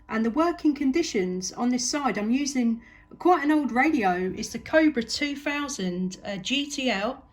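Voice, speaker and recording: A woman with a southern English accent, speaking casually as a radio operator making a long-distance contact. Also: a little high.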